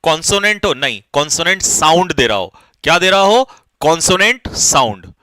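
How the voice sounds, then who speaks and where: A man teaches an online English grammar lesson, pushing his students to hurry. His voice is high and bright, and he keeps asking questions and answering them himself. The sound is dry and close to the mic. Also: very animated, normal speed, dry recording. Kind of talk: online exam-prep lesson.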